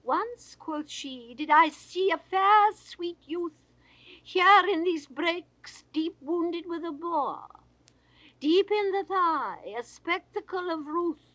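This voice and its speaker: Older actress for classical verse: high, bright tone, theatrical swells and hushes, dry vintage studio. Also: female voice, lively intonation, slow, no echo, poor audio. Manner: grand theatrical delivery with sweeping swells and hushed falls. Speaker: poetry reader. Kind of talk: classical dramatic verse reading. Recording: dry 1960s studio recording.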